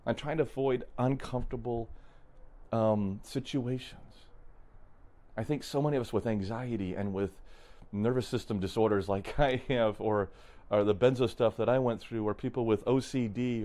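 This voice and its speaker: A man's voice: medium pitch, moderate pace, dark tone. A man hosting a solo podcast, thinking aloud in a reflective, unscripted way with frequent restarts. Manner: thoughtful, musing, frequent restarts, chuckles. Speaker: podcast host. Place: traveling in an RV.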